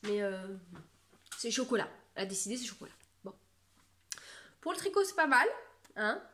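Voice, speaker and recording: A woman's voice: fairly high pitch, very animated, moderate pace, fairly bright tone, a little hiss or hum. A woman in her thirties from France, chatting casually to camera about her knitting, rambling and self-mocking with lots of fillers. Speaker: knitting vlogger.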